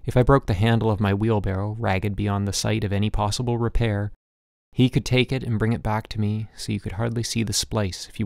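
Guy reading an audiobook story, lowish creaky voice, reflective, really dry sound. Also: darkish tone, no room sound. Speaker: audiobook narrator. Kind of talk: scripted literary narration.

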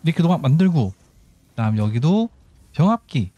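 A man's voice: fairly high pitch, sing-song, normal speed, dark tone, slightly rough. A man giving casual game tutorial commentary, explaining step by step and thinking aloud as he goes. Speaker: gaming channel host.

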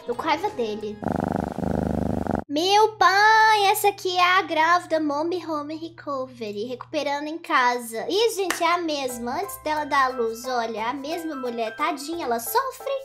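A woman's voice: sits high, lively intonation, measured pace, fairly bright tone. A young woman giving chatty, giggly commentary while playing a browser game. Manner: chatty, giggly, exclaiming, teasing. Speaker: gaming YouTuber. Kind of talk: casual gameplay commentary. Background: game music.

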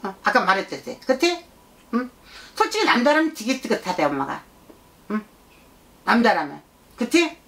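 A woman shaman channels a blunt little child spirit with a high voice that swings animatedly up and down. The speech is childish and nagging, circling back over the same words and pressing for agreement. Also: very animated, moderate pace, creaky, long pauses, a bit bright, full character voice. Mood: earnest, nagging. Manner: childish, insistent, repetitive, scolding with prompting questions. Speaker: shaman fortune-teller. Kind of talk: shamanic consultation, speaking as a spirit.

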